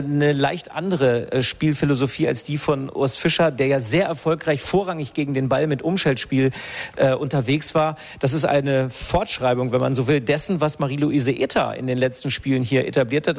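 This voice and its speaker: A man's voice: mid-range voice, gravelly, big-room sound. A man reporting live to the studio as a sports reporter, fluent but with frequent hesitations and restarts.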